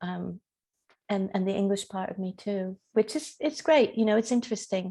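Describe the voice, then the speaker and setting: A woman's dark, mellow tone with a slight American accent. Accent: slightly American. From United States. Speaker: holistic healer. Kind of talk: interview.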